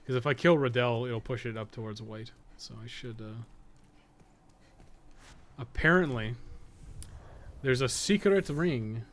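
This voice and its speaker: A man's voice: medium pitch, measured pace, long pauses, slight background noise. A man giving casual, rambling live commentary as he games, thinking aloud and swearing freely. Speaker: gaming streamer and podcast co-host.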